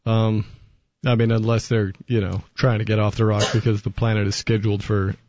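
A man co-hosting a radio talk show, making calm, matter-of-fact remarks. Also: on the low side, fairly quick, dull audio, slight background noise. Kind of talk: casual radio banter.

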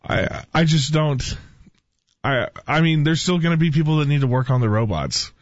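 A man's voice: a little high, animated, moderate pace, no room sound, highs cut off. A man in casual discussion as a co-host on a talk radio show.

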